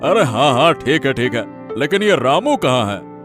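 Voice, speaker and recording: A man's voice: mid-range voice, very animated, moderate pace, fairly bright tone, soft background music. A man voicing an easygoing, good-natured village husband in a cartoon story who likes to tease. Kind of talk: cartoon voice acting.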